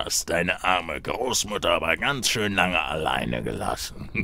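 Over clear background noise, a man uses a put-on character voice with a very deep, low pitch, very even loudness and a moderate pace. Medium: audio drama. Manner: gruff, dry, formal.

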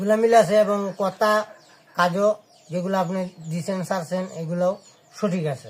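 A man with a high-pitched voice speaks in a fairly even intonation. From Comilla, Bangladesh. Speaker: devotee practising folk rituals. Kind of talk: casual chat.

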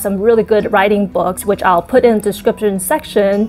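Fairly even intonation over faint background music. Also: woman. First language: Chinese. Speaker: career coach. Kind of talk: casual talk to camera. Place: home room.

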